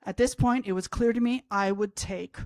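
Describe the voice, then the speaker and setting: A woman's voice: medium pitch, normal speed, a little mellow, no room sound, clean studio sound. A woman in her fifties from Austria, a language professor telling a humorous personal story on stage to an audience, wry and self-mocking. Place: college event stage before an audience.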